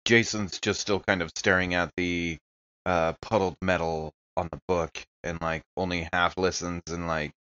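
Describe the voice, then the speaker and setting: Low, sharp-edged man at a game table. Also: little pitch movement, moderate pace, clear, resonant tone, dull audio. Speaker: player in a tabletop roleplaying game. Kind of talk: casual improvised game talk.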